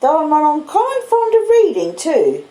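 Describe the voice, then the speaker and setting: A woman's voice: high-pitched, wildly swooping pitch, normal speed, mellow, echoey room, pitched above the performer's own voice. A woman voicing a simple, kindly male blacksmith who tells things in an earnest, meandering way with rustic dialect. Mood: proud, earnest.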